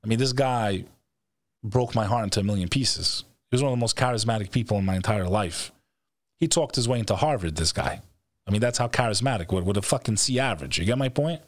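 A man's voice: on the low side, quick pace, no echo. A middle-aged man hosting a show, talking in a blunt, emphatic, profane motivational style, repeating phrases for weight. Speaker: show host. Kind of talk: motivational interview talk. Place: indoor studio setup, video call. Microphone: close studio microphone on stand.

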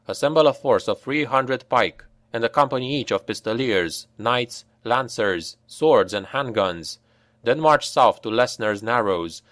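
A man's voice: mid-range voice, fairly bright tone, no echo, natural voice. A man doing a commanding fort officer. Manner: authoritative, issuing orders. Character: commanding middle-aged male fort commander.

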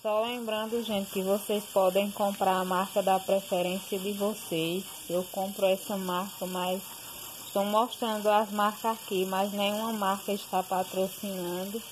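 A woman's voice: mid-range voice, level tone, a little slow. A woman casually talking through her meals and monthly groceries in a kitchen, listing items plainly with fillers. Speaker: home cooking and grocery vlogger. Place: home kitchen. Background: pressure cooker hissing.

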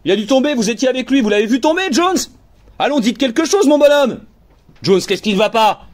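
Alarmed male crewman, fast and raised, pressing questions, read by a male narrator. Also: extremely high pitch, animated, voice pushed up. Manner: hurried, urgent questioning. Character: alarmed male crewman urging a fallen comrade.

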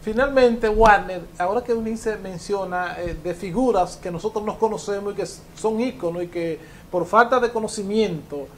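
Casting: Dominican Caribbean-accented male TV host, higher-pitched, conversational, faint noise behind him. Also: normal speed, hardly any pauses. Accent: Dominican Caribbean Spanish. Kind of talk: conversational hosting. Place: indoor TV studio.

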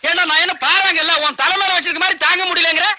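An actor playing a loud, sarcastic village man in a film comedy, firing off mocking retorts. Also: very high-pitched, steady tone, quick pace, a little hiss or hum, exaggerated voice, low-quality recording. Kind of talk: 1980s-90s Tamil film comedy dialogue.

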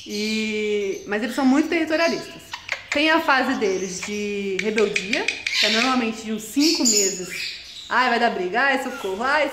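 A young woman chatting casually about her pet parrots, scolding them playfully, in an indoor bird room. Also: fairly high pitch. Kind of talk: casual chat to camera. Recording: echoey room, loud bird noise. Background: loud parrot squawks and chirps.

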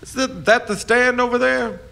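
An actor playing a brash, sly keelboat captain in a period radio drama, swaggering, needling and folksy with false friendliness. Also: male voice, very high voice, fairly even intonation, normal speed, vocal fry, bright, forceful tone, exaggerated voice. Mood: smooth, sly. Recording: faint background noise and ambience.

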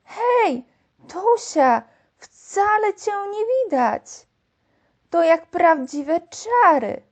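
A woman voicing an inventive, lively little girl in a storybook reading, with excited, eager calls. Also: very high voice, drawn-out words, pitched above the performer's own voice, full character voice. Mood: amazed.

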